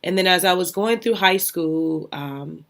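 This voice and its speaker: A woman's voice: fairly low pitch, measured pace, gravelly, fairly bright tone. A young adult woman hosting her own podcast, telling a personal story in a candid, conversational way with goofy, light-hearted asides. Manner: conversational and candid, frequent "right?" and "y'all". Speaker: podcast host.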